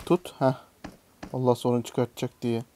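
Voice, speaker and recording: A young man talks his way through a mobile game with a mellow, darker voice. He mostly mutters to himself at a middling pitch, then bursts into swearing and yelps when a jump fails. His voice has a faint noise under it. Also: level tone, moderate pace. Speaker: gaming YouTuber. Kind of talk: casual gameplay commentary.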